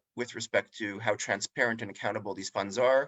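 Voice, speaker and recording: This is a man speaking. His pitch is medium. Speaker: finance consultant, webinar speaker. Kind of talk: webinar presentation. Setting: online webinar. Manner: fast; hesitant, many fillers.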